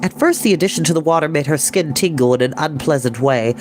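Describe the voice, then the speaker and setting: A woman's voice: sits low, quick pace, darkish tone, a little hiss or hum. A woman narrating a children's story expressively, as a storytime reader. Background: music.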